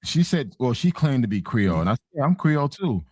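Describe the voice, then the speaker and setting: A man's voice: medium pitch, very animated, quick pace, darkish tone, dry recording. A man from Haiti telling a story in a casual online panel chat, laughing as he goes.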